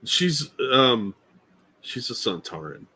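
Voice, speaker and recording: A man co-hosting a casual livestream chat, blunt and crude in his put-downs and quick to agree. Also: medium pitch, sing-song, bright, forceful tone, a little hiss or hum. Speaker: podcast co-host.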